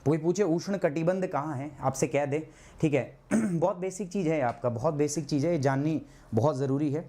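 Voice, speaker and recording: Hoarse male teacher, live class. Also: on the high side, normal speed, mellow. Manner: repeats questions to students, mixes Hindi with English terms; clears his throat often. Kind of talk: live online lecture.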